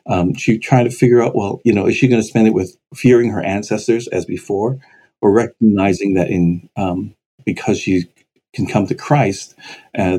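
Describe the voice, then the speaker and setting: A man, a pastor, speaking in a heartfelt, sober way with halting phrases in a conversation. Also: on the low side, dark tone, breathy edge, poor audio. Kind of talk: conversation on a podcast.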